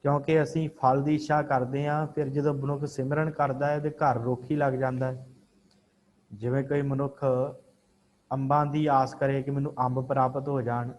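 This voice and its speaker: A man teaching an online scripture class, slowly intoning each verse and then explaining it, repeating how words should be pronounced. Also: medium pitch, a little mellow, dull audio, a little hiss or hum.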